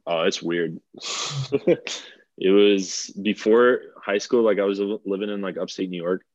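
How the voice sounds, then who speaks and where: A man's voice: low voice, measured pace, no room sound. A young man from Bulgaria, a DJ guest on a podcast, talking casually and rambling with lots of "like" fillers and restarts. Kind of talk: casual interview chat. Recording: dull lo-fi sound.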